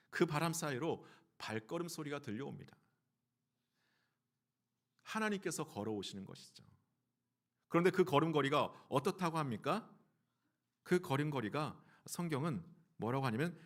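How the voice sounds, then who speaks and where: A man, a pastor, preaching a Sunday sermon. He asks the congregation questions and acts out quoted lines in a changed voice. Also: medium pitch. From South Korea. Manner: fillers and restarts.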